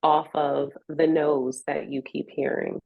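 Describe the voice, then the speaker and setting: A woman's voice: low voice, little pitch movement, slow pace, vocal fry, no room sound, narrow, tinny audio. An American woman in a reflective interview conversation, speaking in an earnest, encouraging way. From Richmond, United States.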